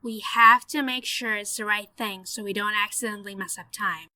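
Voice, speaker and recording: Woman acting a bright-voiced, cautious sceptic. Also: medium pitch, fairly even intonation, fairly quick, no echo, clean studio sound. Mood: cautious, firm. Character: cautious, sceptical, precise woman time traveller. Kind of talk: audio drama acting.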